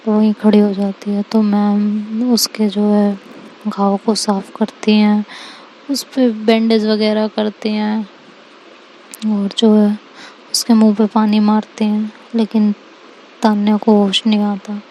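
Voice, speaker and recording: Mellow woman telling a story. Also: medium pitch, monotone, slow, a little hiss or hum. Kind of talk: casual spoken storytelling.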